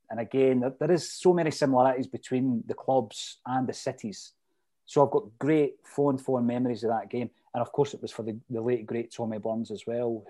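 Sharing his memories as richly detailed stories, a lifelong football supporter from Fife chats casually as an interview guest. He's a middle-aged Scot with a Fife accent, and his voice is mellow and softly rounded, pitched typically for a man.

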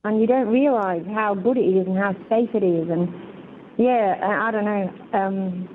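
A woman's voice: mid-range voice, normal speed, a little hiss or hum. A woman in her seventies calling a radio phone-in, chatting casually and telling family anecdotes over a tinny phone line. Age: 70s. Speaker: phone-in caller.

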